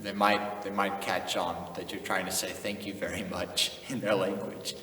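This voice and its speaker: On his own vlog, this laid-back young American chuckles frequently and slips Afrikaans phrases into casual talk. His low voice barely moves in pitch, sounding pushed and bright at a moderate pace, picked up from afar in an echoey, faintly noisy room.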